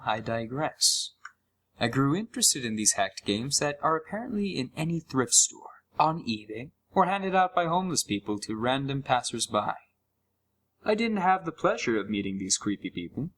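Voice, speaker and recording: A man's voice: medium pitch, a bit bright. A man playing a sarcastic, curious young gamer, narrating a first-person horror story in a wry, conversational way. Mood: wry, casual. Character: sarcastic, curious young male gamer recounting a creepy found game.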